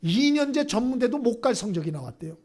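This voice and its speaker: Man preaching, high husky voice, lively swinging pitch, storytelling sermon in a church. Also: quick pace. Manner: storytelling, often checks in with the congregation. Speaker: pastor.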